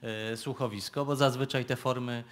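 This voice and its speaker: A man speaking as a guest author, giving an unscripted, halting answer with repeated words. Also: medium pitch, fairly even intonation. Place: radio studio with live audience.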